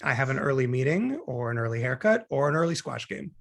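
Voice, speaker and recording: Casting: man playing neurotic, defensive wisecracker, gravelly voice, lively swings in pitch, table-read comedy. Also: quick pace. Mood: breezy, defensive. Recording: remote video-call table read.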